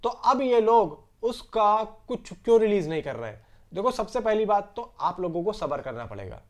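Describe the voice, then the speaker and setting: Male film news host, high-pitched voice, casual conversational delivery, repeats points and talks straight to viewers. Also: very animated, normal speed. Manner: conversational, repeats himself, addresses viewers directly.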